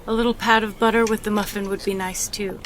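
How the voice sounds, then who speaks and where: An actress playing a frail dying woman in a radio drama, soft and wistful, in golden-age radio acting style. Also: medium pitch, level tone, quick pace, slight background noise, natural voice, rough recording. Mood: fond. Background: music score.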